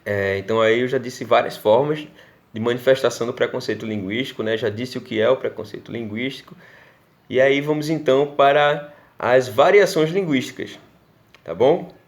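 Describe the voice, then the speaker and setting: A man's voice: medium pitch, normal speed. Male teacher, Pernambuco accent, recorded lesson, explanatory, checks in with students. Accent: Pernambuco Brazilian Portuguese. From Northeast Brazil. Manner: explanatory, checks in often with "né?" and "tá bom?".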